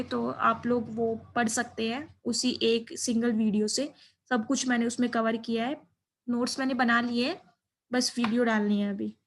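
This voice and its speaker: High, even-toned young woman explaining. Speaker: exam-prep video teacher. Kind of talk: informal explainer of an exam paper.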